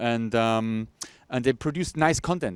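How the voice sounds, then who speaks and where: A man with a German accent talks at a moderate pace and medium pitch. His pitch varies in an ordinary way, and the sound is dry and close with no echo. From Switzerland. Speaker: actor. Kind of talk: interview. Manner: hesitant, many fillers.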